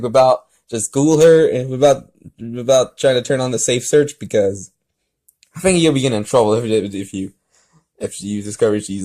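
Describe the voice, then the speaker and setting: Rambling, halting man vlogging. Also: mid-range voice, a little mellow. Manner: rambling, halting, often restarting sentences. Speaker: host of fan fiction reading videos. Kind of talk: casual rambling vlog talk and fan fiction read-aloud.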